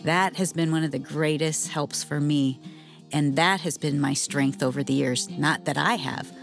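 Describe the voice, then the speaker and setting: A woman's voice: deep voice, steady tone, normal speed, vocal fry, faint music behind. A middle-aged woman co-hosting a faith-based marriage show, talking earnestly and candidly about her feelings. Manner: heartfelt and candid, speaks openly about feelings. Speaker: co-host of a marriage radio show.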